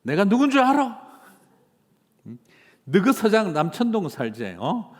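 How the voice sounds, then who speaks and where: A man doing a loud, swaggering gangster boasting in a mock Gyeongsang dialect, in a reverberant church hall. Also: sits high, huge pitch swings, unhurried, pitched above the performer's own voice, full character voice. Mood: boastful. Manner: shouting bravado, taunting tags.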